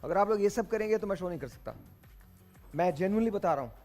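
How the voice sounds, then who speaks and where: Stern high-voiced Pakistani game show host. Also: male voice, lively intonation, brisk, darkish tone, faint music behind. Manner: stern, lecturing, repeating himself, mixing in English phrases. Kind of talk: scolding contestants on a studio game show.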